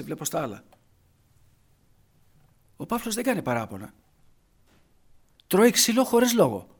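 A man preaching a sermon, retelling a Bible passage with frequent rhetorical questions. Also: on the high side. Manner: retells scripture with constant "he says", rhetorical questions.

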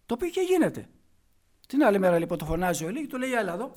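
A man delivers a sermon in a very high voice. He preaches emphatically and keeps putting rhetorical questions to his listeners. He drops into hushed asides and then comes back loud on the points he stresses. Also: big pitch swings.

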